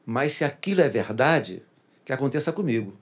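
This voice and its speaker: A man's voice: medium pitch, expressive, fairly quick, husky. A pastor tells his personal testimony in a casual interview, earnestly repeating phrases for emphasis.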